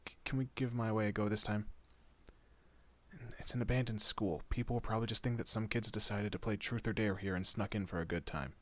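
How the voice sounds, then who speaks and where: A man's voice: fairly low pitch, steady tone, a little fast, a bit bright, no echo, natural voice. A man playing a teasing, protective monster detective in a horror roleplay audio, talking casually to his human partner. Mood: easygoing, coaxing. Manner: casual, teasing, muttered asides. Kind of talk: horror roleplay audio drama, addressing the listener.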